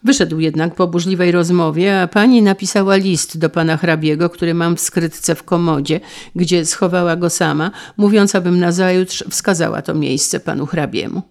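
A woman voicing a frightened young maidservant who gives nervous but clear testimony. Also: fairly low pitch, fairly even intonation, normal speed, a little mellow, lightly acted.

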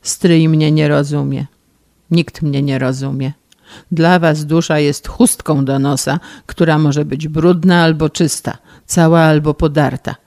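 A woman's voice: sits low, darkish tone, dry recording, studio quality, voice pushed down. A woman voicing a gloomy, melodramatic young man who speaks in a sullen, brooding way in an audiobook reading.

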